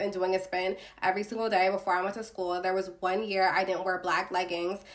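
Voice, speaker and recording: The speaker is a woman going at a very fast pace. Behind her is noticeable background noise. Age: 20s. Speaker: beauty and lifestyle vlogger. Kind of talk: casual talk to camera. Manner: warm, encouraging.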